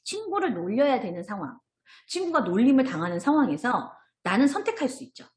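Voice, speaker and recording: Animated woman trainer, roomy call audio. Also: a little high, fairly quick. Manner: expressive, animated, acts out child voices. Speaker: early childhood curriculum trainer. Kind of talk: online teacher training lecture. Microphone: video call.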